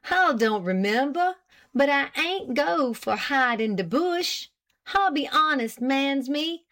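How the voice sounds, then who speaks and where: Woman playing an excitable man. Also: high voice, slow, pitched above the performer's own voice, heavily acted. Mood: indignant. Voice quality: broken dialect English, protesting and wheedling. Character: excitable French-Canadian man, sly and indignant witness.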